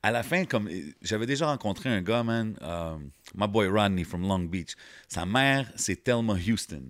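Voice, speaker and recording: A man's voice: fairly low pitch, animated, normal speed, a bit bright, no echo. A man with a Quebec French accent in laid-back casual chat, dropping English slang.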